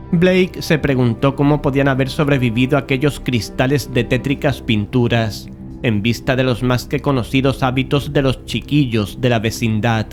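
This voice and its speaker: A man's voice: medium pitch, darkish tone. A man narrating a literary horror audiobook in a scripted storytelling style. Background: music.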